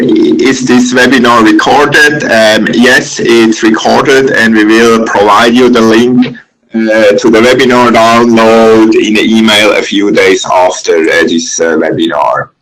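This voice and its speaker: A man from Switzerland with a Swiss accent, moderating a webinar question-and-answer session in a hesitant, halting way. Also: mid-range voice, steady tone, fairly bright tone, poor audio.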